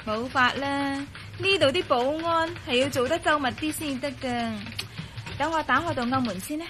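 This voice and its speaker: A woman's voice: high voice, moderate pace, background noise, natural voice. A woman playing a cheerful young receptionist at a secret agency in a Cantonese radio play, light and matter-of-fact. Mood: breezy.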